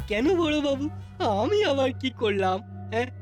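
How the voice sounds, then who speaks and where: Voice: high-pitched, animated, normal speed, faint music behind. An actor playing a sly, simple-minded snack cook, hesitant and self-justifying, in a comedy cartoon. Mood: sheepish.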